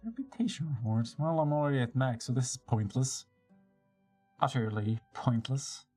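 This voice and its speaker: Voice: medium pitch, normal speed, mellow, soft background music. A game streamer giving casual, playful commentary with slangy, sing-song asides. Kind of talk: casual gameplay commentary with dramatic reading.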